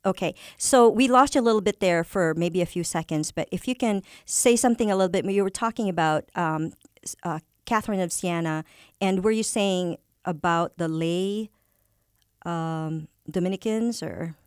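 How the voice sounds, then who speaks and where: A woman's voice: fairly low pitch, normal speed, smooth, no room sound, studio quality. A woman from the Philippines interviewing a guest over a video call, talking with many fillers and restarts. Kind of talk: casual interview.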